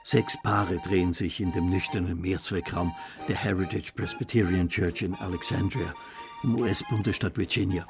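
A man narrating a scripted documentary report as a reporter. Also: deep voice.

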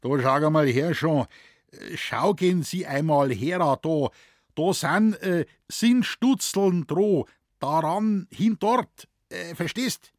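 A man's voice: fairly high pitch, slow, no room sound, clean studio sound, voice pushed up. Man playing a flustered Bavarian forest warden. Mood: straining. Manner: flustered, broad dialect, raised voice.

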